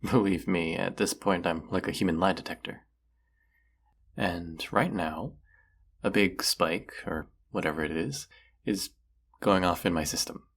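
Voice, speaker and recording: Husky, low-voiced teasing young man, acted. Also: a little slow, fairly bright tone, exaggerated voice. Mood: playful teasing. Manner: playful, teasing, hesitant trailing delivery. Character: teasing young man secretly crushing on his best friend. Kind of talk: intimate roleplay audio drama, casual one-sided chat.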